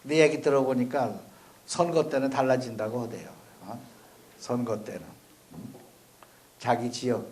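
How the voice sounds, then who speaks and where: A male Buddhist monk from Chungcheong gives a conversational dharma talk. He speaks in a folksy, plain-spoken way and keeps checking in with the listeners with a quick "eh?". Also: mid-range voice, a little mellow. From Chungcheong, South Korea. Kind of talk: conversational sermon. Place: temple or university dharma hall.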